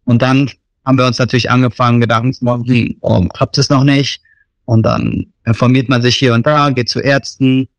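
A man's voice: mid-range voice, little pitch movement, brisk, no echo. Man, thirties, hesitant, many fillers, medium voice, dry recording. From Germany. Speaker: missionary interview guest. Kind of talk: casual interview answers.

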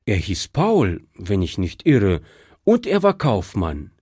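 Polite thoughtful young prisoner guy read by a man, slow, lively voice, dry sound. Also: on the low side, husky, dry recording, exaggerated voice. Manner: polite, apologetic.

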